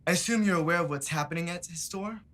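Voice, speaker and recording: An actor playing a smooth, calculating gay activist executive in a film drama, polished and insinuating. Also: male voice, sits high, quick pace, fairly bright tone. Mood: businesslike.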